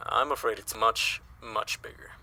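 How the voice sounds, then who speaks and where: Worried earnest guy, very bright edgy tone, lowish, hesitant, podcast drama. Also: steady tone, a little slow, full character voice. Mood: worried, grave. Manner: hesitant, grave. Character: anxious, earnest man calling with bad news. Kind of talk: audio drama dialogue.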